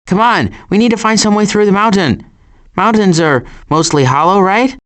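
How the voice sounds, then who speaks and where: A man voices a sardonic, glib animal adventurer in an animated video game, full of dry sarcasm and deadpan asides. His voice sits high and moves at a normal speed.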